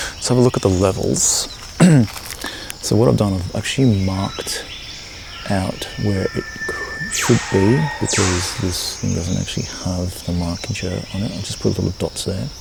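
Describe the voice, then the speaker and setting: The speaker has an Australian accent and a moderate pace. Music plays in the background. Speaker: field recordist, YouTuber. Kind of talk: casual vlog narration. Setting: outdoors in a rainforest.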